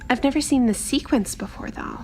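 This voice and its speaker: A woman playing a curious, confident young tinkerer in a tabletop game, chatting breezily in halting improvised phrases. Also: high-pitched, a little mellow, slight background noise. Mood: curious, absorbed. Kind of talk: improvised tabletop roleplay, casual.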